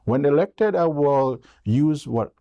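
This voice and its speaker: A man in his forties from Tonga, giving a measured, earnest prepared campaign statement as a political candidate. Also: on the high side, expressive, dark tone, no echo, dull audio.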